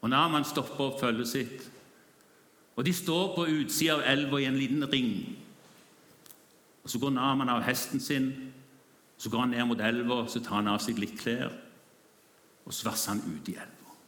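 Bright-voiced man telling a sermon story. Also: mid-range voice, long pauses, echoey room. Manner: vivid, imaginative retelling addressing the listeners. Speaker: preacher.

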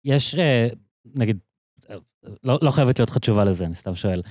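A man's voice: mid-range voice, lively intonation, a little mellow, no room sound, clean studio sound. A man hosting a casual interview, asking questions in a hesitant, tentative way. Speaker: podcast host.

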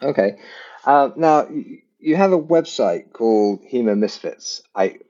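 A man hosting a podcast, asking his guest questions in a measured way. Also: mid-range voice, lively intonation, warm tone, highs cut off. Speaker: podcast host. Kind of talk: interview questions.

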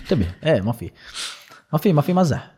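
A man's voice: on the high side, big pitch swings, very fast, mellow, slightly rough. A man with a Lebanese Arabic accent chatting casually, telling anecdotes and throwing in rhetorical questions.

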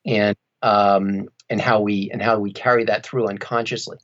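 Low-pitched man, measured and careful. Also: level tone, fairly bright tone, highs cut off. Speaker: audiobook narrator, podcast guest. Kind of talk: thoughtful interview conversation.

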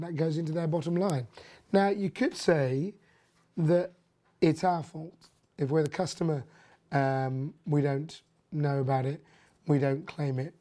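Husky, hoarse podcast host. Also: medium pitch, warm tone. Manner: rambling, filler-heavy, opinionated asides. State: hoarse, losing voice. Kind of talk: casual energy news commentary.

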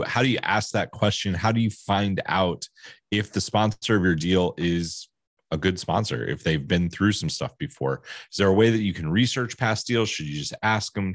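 A man's voice: deep voice, no room sound, clean studio sound. A man hosting a podcast, asking questions and commenting on market conditions in a casual conversation. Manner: inquisitive, prompts the guest with questions. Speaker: podcast host.

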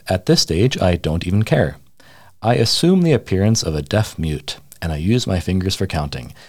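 A man reading a humorous essay aloud with a wry, deadpan, mock-serious delivery. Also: sits low, breathy edge, dry recording, clean studio sound. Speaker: radio essayist.

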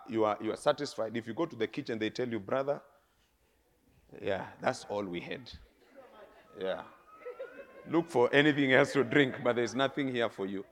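A middle-aged man with a Kenyan accent, preaching a sermon with lively stories, laughing and swinging between soft and loud. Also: mid-range voice. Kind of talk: sermon with storytelling.

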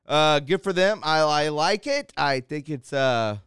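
A man's voice: on the high side, animated, unhurried, a bit bright, clear, resonant tone, no echo, clean studio sound. A man hosting a casual live-stream show, loose and rambling, reading news aloud. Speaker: host.

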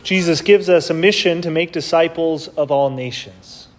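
A man with a somewhat high voice reads scripture as a priest and then talks through his homily in an easy, conversational manner. The words ring out with the long cathedral echo of a large church. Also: slight background noise. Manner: measured reading, then plain conversational preaching with fillers. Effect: cathedral echo, long church reverb. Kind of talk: gospel reading and homily at Mass. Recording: long reverb of a big church.

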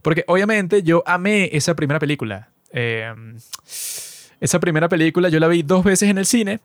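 A Latin American man chatting on a podcast. His voice sits a little high and sounds dry and close to the mic. He jokes and brags with mock seriousness, slipping into slang as he tells stories. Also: lively intonation, normal speed, no room sound. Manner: joking mock-boastful, slangy storytelling. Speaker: podcast co-host. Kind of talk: casual podcast chat.

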